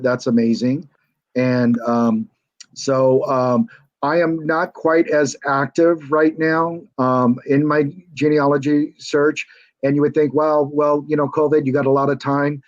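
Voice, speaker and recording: A man's voice: mid-range voice, dry recording, dull audio. An American man chatting as a guest over a video call, hesitant and rambling with lots of fillers and restarts. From United States. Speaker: guest, former reality show contestant. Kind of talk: casual video call chat.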